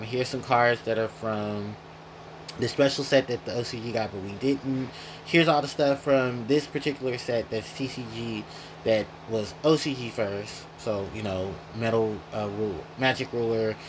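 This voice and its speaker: A man's voice: fairly low pitch, unhurried, background noise. A man hosting a casual gaming retrospective, rambling and correcting himself as he goes, chewing while he talks. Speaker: gaming video host.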